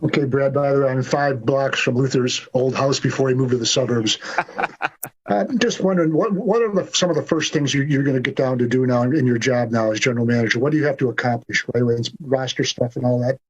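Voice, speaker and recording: Male reporter, halting remote question; husky, lo-fi sound. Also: medium pitch. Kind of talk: press conference question. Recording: husky voice over dull remote line.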